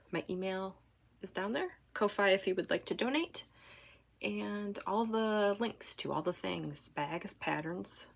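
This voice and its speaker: A woman from Michigan hosting a knitting podcast, chatting casually to camera at home while congested, rambling with fillers and soft asides. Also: lowish voice, vocal fry. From Michigan, USA.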